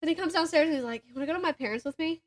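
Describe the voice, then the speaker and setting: A young woman with a distinctly high voice talks as a podcast co-host. She rambles through everyday stories in a casual, chatty style, and her delivery is giggly. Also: racing. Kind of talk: casual chat between friends.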